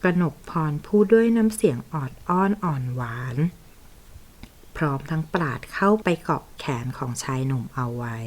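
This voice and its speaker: A woman reads a romance novel aloud in a low voice. Her delivery is steady and even, keeping the story flowing. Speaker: audiobook narrator. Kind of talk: scripted novel narration.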